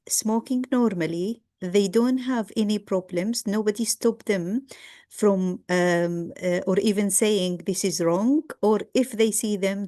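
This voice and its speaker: A middle-aged woman from Egypt gives a lecture over a video call, speaking in a measured way with frequent ums and restarts. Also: lowish voice, dark tone. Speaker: guest lecturer. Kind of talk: online lecture.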